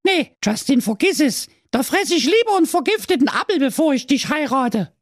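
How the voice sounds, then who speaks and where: A man doing a bossy young Snow White, pitched far above his own voice and talking in a broad Saxon accent. She snaps off sharp, dismissive retorts in a comedic storybook style. The recording is dry and close. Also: very animated, moderate pace, no room sound. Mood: snippy.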